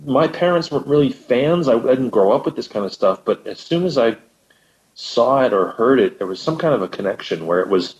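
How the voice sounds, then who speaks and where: A man's voice: medium pitch, expressive, fairly quick, a little mellow. A man talking casually as a podcast guest, thoughtful and rambling, often restarting his sentences. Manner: thoughtful, rambling, frequent restarts and repeated words. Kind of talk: casual conversation about old radio comedy. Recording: lo-fi podcast audio.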